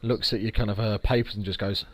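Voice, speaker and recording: A man's voice: lowish voice, flat delivery, quick pace. A young man with a London accent, co-hosting a podcast in loose, jokey chat full of fillers. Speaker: podcast co-host. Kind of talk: casual chat.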